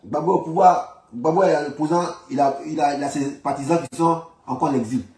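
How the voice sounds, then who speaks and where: Brisk and fairly high-pitched with a slightly mellow quality, this Ivorian commentator argues politics informally, hammering points through repetition and emphasis. His accent is Ivorian, and the sound reverberates as if in a large room.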